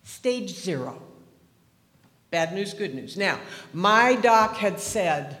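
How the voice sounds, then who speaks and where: A man's voice: high-pitched, very animated, slow, pushed and bright. A man around seventy from the Pacific Northwest of the US, giving a chatty, humorous personal testimony with wandering restarts. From Pacific Northwest, USA. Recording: echoey hall with long reverb.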